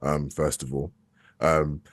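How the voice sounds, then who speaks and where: A young adult man, an actor appearing as an interview guest, talks casually and candidly in a very deep, flat voice at a slow pace. He is reflective, hesitating and restarting sentences often as he thinks aloud.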